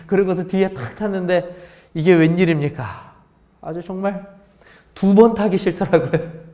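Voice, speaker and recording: A male pastor leads a scripture lesson in a fairly high voice. He keeps putting questions to his listeners and switches between soft and shouted example lines to show tone. His delivery is measured and teacherly. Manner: asks the congregation frequent questions; acts out contrasting tones of voice. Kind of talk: Bible teaching sermon.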